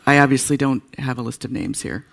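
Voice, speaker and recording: A man moderating a panel on a conference stage, pressing his questions with halting restarts. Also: medium pitch, lively intonation, creaky.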